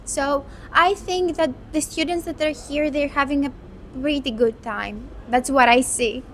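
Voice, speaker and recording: Young Greek woman, high voice. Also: fairly even intonation, slight background noise. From Greece. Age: 20s. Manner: thoughtful, unhurried, with restarts. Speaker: medical student. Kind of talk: interview.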